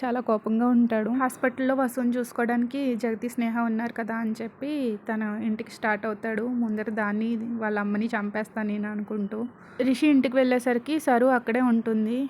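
Woman with a high voice narrating a serial, doing all the parts, slips english words in. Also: flat delivery, a little fast, a little hiss or hum. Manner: narrates in plain speech mixed with English words; shifts into an angry shouting tone for the male lead. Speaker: storyteller. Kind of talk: reading a serial story aloud, voicing all parts.

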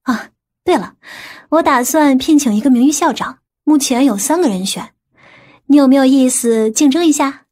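A woman's voice: sits high, normal speed, mellow, close to an everyday voice. A woman playing a pert, teasing businesswoman in an audiobook, with a coquettish, reproachful manner. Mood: businesslike.

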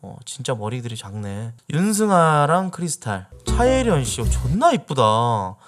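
A young man from South Jeolla chatting casually as a host, reacting with quick exclamations and slang. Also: medium pitch, sing-song, faint music behind. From South Jeolla, Korea. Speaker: YouTube host.

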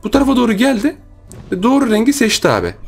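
A young man giving excited, playful commentary while playing a video game, often repeating words rapidly, with faint music behind. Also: extremely high pitch, creaky. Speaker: gaming YouTuber.

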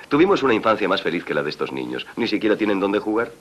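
A man's voice: lowish voice, fast. A man dubbing an easygoing, playful parish priest from an old film. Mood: cheerful. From Missouri. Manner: relaxed, good-humored, teasing. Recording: old film soundtrack with hiss.

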